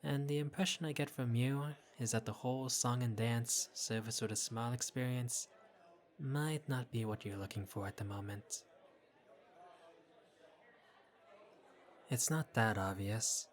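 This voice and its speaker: A man's voice: medium pitch, fairly even intonation, normal speed, close to an everyday voice. A man playing a flirty, easygoing bartender who teases and chats with a patron in an audio roleplay. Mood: gentle, perceptive. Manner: playful, teasing, casual. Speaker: bartender character. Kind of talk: intimate audio roleplay, conversational acting.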